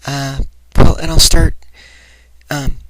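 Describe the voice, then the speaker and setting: Woman, unsure and rambling, lightly breathy, a touch nasal, informal vlog delivery, heavy background noise. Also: extremely low pitch, flat delivery, slow. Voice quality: lightened throat resonance, somewhat breathy and nasal. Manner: hesitant, self-doubting. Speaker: voice trainee asking for feedback. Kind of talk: personal vlog, rambling confession. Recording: very noisy home recording, clicks.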